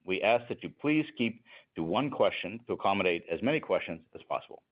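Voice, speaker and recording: A man's voice: on the low side, expressive, a little fast. A man reading a scripted corporate conference call statement as a company executive, stiff and formal. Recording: muffled speakerphone-like conference line.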